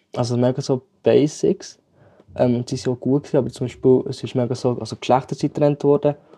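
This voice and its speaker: Here a man talks at a very fast pace, his medium-pitched voice dark and mellow in tone with fairly even intonation. The sound is dry and close with no echo, and the background is quiet. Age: young. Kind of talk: interview.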